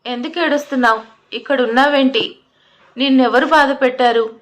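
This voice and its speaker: A woman's voice: sits high, moderate pace, fairly bright tone. A woman voicing an anxious, devoted young hero in an audio story. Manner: anxious, urgent.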